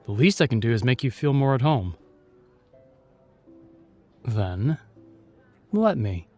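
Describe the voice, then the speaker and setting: An actor playing a chivalrous, shyly tender knight in a fantasy audio roleplay, speaking with courtly, reassuring and slightly hesitant phrasing. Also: male voice, mid-range voice, very animated, slow pace, darkish tone, faint music behind, heavily acted. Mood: gentle, formal.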